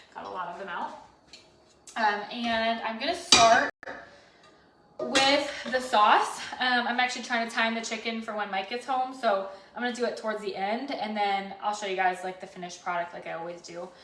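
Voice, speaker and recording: Amid audible room echo and music in the background, a woman speaks at a fairly high pitch with big swings in loudness. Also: ordinary pitch variation. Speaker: chef and nutritionist. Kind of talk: live cooking tutorial. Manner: fast; high energy.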